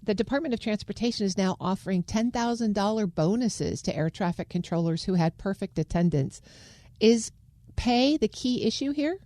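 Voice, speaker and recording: A woman's voice: medium pitch, animated, moderate pace, mellow, no echo, studio quality. An American woman hosting a news interview. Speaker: radio interviewer and host.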